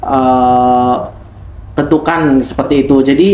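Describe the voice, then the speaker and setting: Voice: medium pitch, fairly even intonation, slow, darkish tone. A speaker acting as a guest's interpreter, prompting and restating answers conversationally. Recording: echoey room with background noise.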